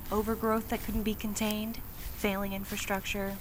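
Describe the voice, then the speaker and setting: A woman playing a cautious, bookish character in an audio drama, speaking in a measured, dry, precise way. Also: medium pitch, flat delivery, background noise, lightly acted. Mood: matter-of-fact. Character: cautious, bookish, matter-of-fact young woman.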